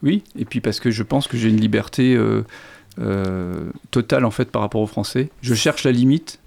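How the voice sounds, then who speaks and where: A man's voice: lowish voice, moderate pace, vocal fry, darkish tone. A middle-aged man from Lorraine whose first language is Lorraine Franconian, speaking hesitantly with many restarts as an author in an interview. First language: Lorraine Franconian (Platt). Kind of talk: literary interview.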